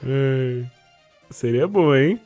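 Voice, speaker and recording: A man's voice: mid-range voice, expressive, drawn-out words, warm tone, soft background music. A man co-hosting a casual podcast, laid-back and dry in his replies. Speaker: podcast co-host.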